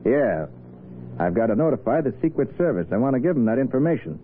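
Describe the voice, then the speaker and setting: An actor playing a shrewd, confident private detective, brisk and probing, in a 1940s radio crime drama. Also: male voice, mid-range voice, big pitch swings, narrow, tinny audio, close to an everyday voice. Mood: firm, pressing. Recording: noisy, phone-thin vintage radio recording.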